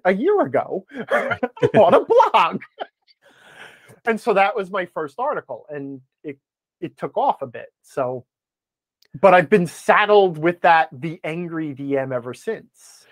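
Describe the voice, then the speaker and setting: A man's voice: high-pitched, sing-song, a little slow, no room sound, clean studio sound. A man talking casually as an interview guest, telling anecdotes in an emphatic way and punctuating his points. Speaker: guest, tabletop gaming blogger.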